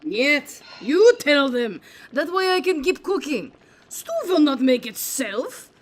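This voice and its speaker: A woman's voice: high-pitched, sing-song, slow, exaggerated voice. A woman playing a bossy, self-satisfied immigrant mother and cook, with blunt, foreign-sounding phrasing, in a comedic audio drama. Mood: bossy, proud.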